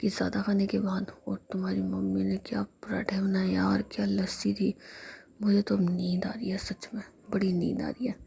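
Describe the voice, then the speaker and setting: A woman's voice: medium pitch, completely flat delivery, normal speed, gravelly, dark tone, slightly rough, heavily acted. A woman voicing a playful young woman who loves eating, speaking in a whisper.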